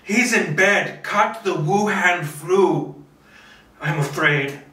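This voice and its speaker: A man voicing a polite, flustered but proud elderly woman in a screenplay table read, halting and repeating insistently. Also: high-pitched, sharp tone, pitched above the performer's own voice, full character voice. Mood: cheerful evasion. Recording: roomy, distant microphone.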